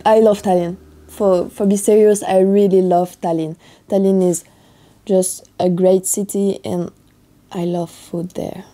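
A young woman from France speaking English with a French accent, chatting casually in her vlog with a hoarse morning voice. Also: medium pitch, level tone, measured pace, mellow. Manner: chatty, upbeat, loose non-native phrasing. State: hoarse from just waking up. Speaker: athlete vlogger.

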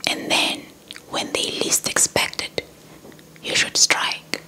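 A woman's voice: slow pace, pushed and bright, poor audio. Woman whispering as a kindly, tired old villager. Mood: weary, helpful. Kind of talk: whispered ASMR storytelling.

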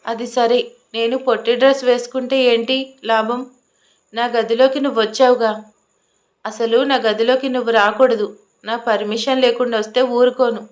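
A woman plays a defiant young heroine in a storybook romance, indignant and argumentative, firing back questions. The voice sits somewhat high and keeps her combative edge. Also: flat delivery, normal speed, lightly acted. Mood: indignant, angry.

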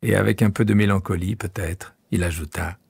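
A man narrating a classic tale in an audiobook, husky and intimate, with unhurried storytelling and hushed asides. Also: sits low, steady tone, no room sound, clean studio sound. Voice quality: husky, gravelly.

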